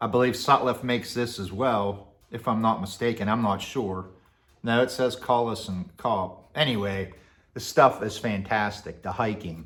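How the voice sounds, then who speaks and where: A man talks at a moderate pace with medium pitch and fairly even intonation. He has an ordinary speaking voice. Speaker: pipe tobacco reviewer. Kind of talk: casual chat. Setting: workshop.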